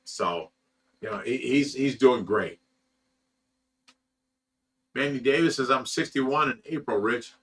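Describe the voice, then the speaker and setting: A man's voice: mid-range voice, slow, pauses often, a bit bright, breathy edge, distant mic. A man in his sixties hosting a casual livestream, reading viewer comments and telling rambling stories with plenty of swearing and laughter. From Ohio, USA. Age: 60s. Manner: rambling storyteller, swears freely and laughs often. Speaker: fish rescue host.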